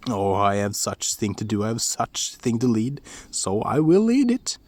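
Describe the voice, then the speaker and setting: A man voicing a cheerful young farm boy hero, calling out excitedly in a high, sing-song voice. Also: normal speed.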